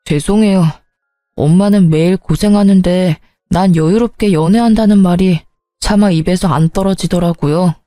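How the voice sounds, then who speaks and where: A woman's voice: on the low side, normal speed, mellow, no echo, studio quality, faint music behind, lightly acted. A woman doing an exasperated grown son. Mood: apologetic. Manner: exasperated, pleading. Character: grown eldest son, frustrated and pleading. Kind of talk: storybook narration.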